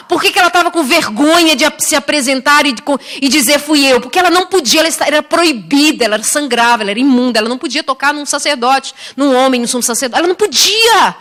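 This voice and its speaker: A woman's voice: high voice, fairly bright tone. A middle-aged woman preacher from Brazil giving a sermon, telling stories expressively and acting out the voices of the people she quotes.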